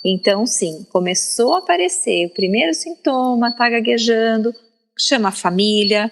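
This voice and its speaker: A woman's voice: a little high, normal speed, vocal fry. Brazilian woman explaining in a reverberant room. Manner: didactic, emphatic, frequent tag questions. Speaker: guest speech therapist. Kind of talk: explanatory podcast interview. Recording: long reverb, faint background noise.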